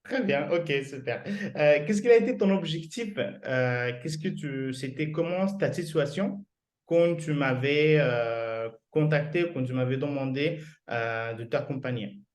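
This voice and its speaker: A man's voice: a little high, a little slow. A fitness coach interviewing a client. He asks long, rambling questions and gives short words of encouragement. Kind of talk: casual interview.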